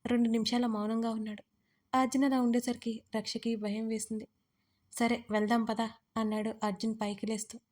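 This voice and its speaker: A woman narrating an audio story in a steady, measured reading voice. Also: on the high side.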